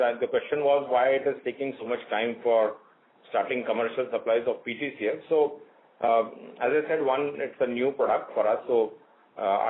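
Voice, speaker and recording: Man on a tinny conference line. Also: medium pitch. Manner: measured, many "uh" pauses. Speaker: company executive. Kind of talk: earnings call answers. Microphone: phone line. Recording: tinny phone line, faint hiss.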